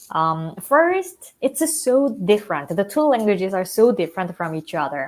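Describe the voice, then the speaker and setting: A woman talks with hardly any pauses. Her pitch swings very widely. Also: medium pitch for a woman, moderate pace. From South Korea. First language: Korean. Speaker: English learning platform representative. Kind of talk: live-streamed interview. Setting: online live stream. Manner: hesitant, with fillers.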